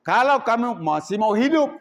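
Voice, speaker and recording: A man acting out an angry tribal chief who shouts at strangers and orders them away with repeated threats. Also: very high voice, very animated, normal speed, long reverb tail, heavily acted. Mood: threatening.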